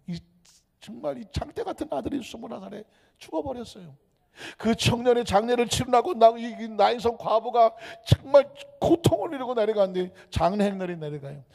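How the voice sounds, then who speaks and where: A male pastor preaching a sermon into a microphone, dramatic, swinging between hushed whispers and loud calls and leading the congregation in repeating his lines. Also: high voice, vocal fry. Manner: leads the congregation in call-and-repeat. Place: church sanctuary. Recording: echoey church hall.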